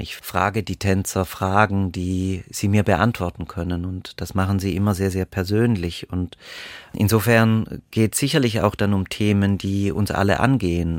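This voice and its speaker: In a fairly low pitch, a man speaks at a moderate pace with fairly even intonation. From eastern Switzerland, St. Gallen. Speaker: choreographer. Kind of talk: radio interview.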